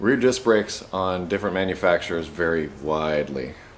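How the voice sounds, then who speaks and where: An ordinary speaking voice from a man, moderately paced, with ordinary pitch variation. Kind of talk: tutorial. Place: garage. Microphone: phone near.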